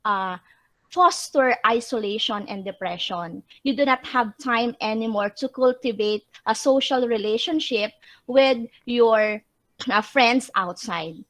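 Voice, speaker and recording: A woman's voice: on the high side, measured pace. A woman teacher answering questions in an online class, earnest and explanatory with frequent hesitations.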